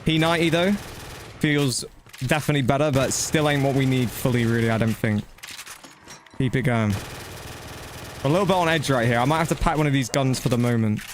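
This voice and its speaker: A man streams a video game in a casual, matey way, chatting with his viewers as he plays. His talk is blunt, slangy and sweary, at a middling pitch, with faint game noise behind him. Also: brisk, long pauses. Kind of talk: casual live gameplay commentary with chat.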